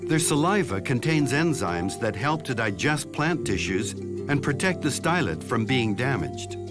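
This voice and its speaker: A man delivering scripted nature documentary narration in a measured, explanatory way. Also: medium pitch, very animated, loud music behind the voice.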